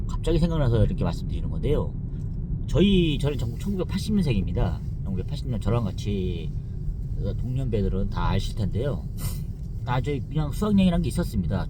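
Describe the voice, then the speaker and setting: A man in his forties hosting his own channel, rambling in a casual monologue with lots of fillers. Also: medium pitch. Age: 40s. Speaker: channel host. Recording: loud traffic noise outdoors.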